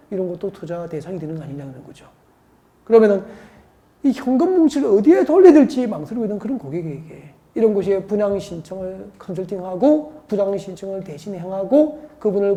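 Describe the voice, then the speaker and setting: A woman's voice: medium pitch, warm tone. A woman from Seoul giving an exam-prep lecture, firing rhetorical questions and drilling mnemonics by repetition. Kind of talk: classroom lecture.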